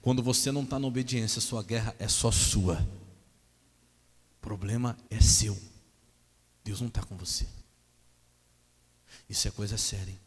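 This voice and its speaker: Pastor preaching hard, asks the crowd questions, echoey church hall. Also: male voice, fairly low pitch, fairly even intonation, normal speed, pauses often, husky. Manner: emphatic, asks the congregation rhetorical questions. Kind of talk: sermon.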